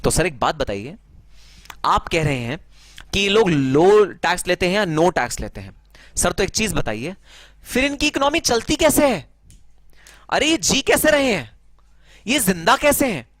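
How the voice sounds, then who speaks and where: A man's voice: high-pitched, big pitch swings, measured pace, pauses often, a bit bright, no echo, full character voice. A man voicing a puzzled student. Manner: eager, incredulous questioning. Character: puzzled young male student asking questions.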